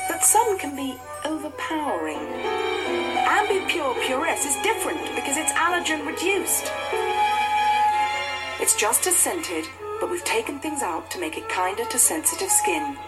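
An actress voicing a gentle announcer in a scripted product commercial. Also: female voice, high-pitched, big pitch swings, normal speed, low-quality recording. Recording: radio ad over loud flute music.

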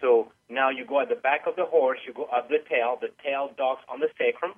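A man speaks over a narrow, tinny phone connection. His pitch sits mid-range, and he explains things step by step with small hesitations. He is a teacher being interviewed on the radio. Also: brisk. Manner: patient, explanatory, with frequent uh fillers. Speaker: guest animal massage teacher. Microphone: phone call.

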